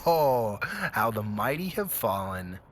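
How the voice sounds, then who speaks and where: A man's voice: fairly low pitch, sing-song, takes it slowly, noisy background. An actor playing a cocky, upbeat scooter racer in his twenties in an audio drama, boasting in laid-back slang. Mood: playful. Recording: music clearly behind the voice.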